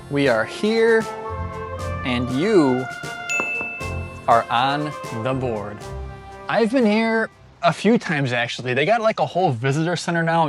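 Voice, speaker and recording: A man talking casually to the camera as a road trip vlogger, rambling loosely and chuckling often. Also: fairly high pitch. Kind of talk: casual vlog chat.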